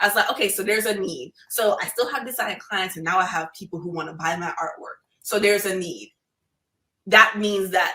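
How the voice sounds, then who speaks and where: A woman speaks at medium pitch with a bright, sharp tone and a fairly quick pace. Her intonation is fairly even, though her loudness swings widely. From Jamaica, Kingston. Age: young. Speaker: artist and designer. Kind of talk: interview conversation.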